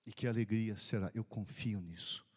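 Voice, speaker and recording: A man's voice: on the low side, steady tone, normal speed, darkish tone. A middle-aged man, a pastor preaching a sermon through earnest stories with emphatic rises. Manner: earnest storytelling with emphatic rising peaks. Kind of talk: sermon storytelling.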